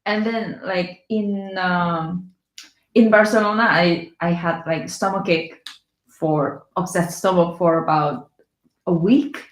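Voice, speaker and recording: Korean woman chatting on a travel stream in english, lowish voice, stops to find words, echoey room. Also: steady tone, slow. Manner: hesitant, searches for words. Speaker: travel livestream co-host. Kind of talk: casual livestream chat.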